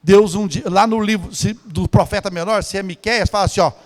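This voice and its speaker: High-voiced Brazilian pastor preaching in a hall. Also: male voice, fairly even intonation, fairly quick. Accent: Brazilian Portuguese. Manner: preaching with swings between soft and shouted. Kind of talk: sermon. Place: large church hall. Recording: church hall with long reverb.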